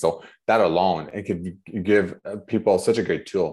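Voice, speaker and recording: In a very clean recording with a silent background, a man with a French Canadian accent speaks with ordinary pitch variation. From Quebec, Canada. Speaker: health practitioner and podcast host. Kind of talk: interview, casual conversation.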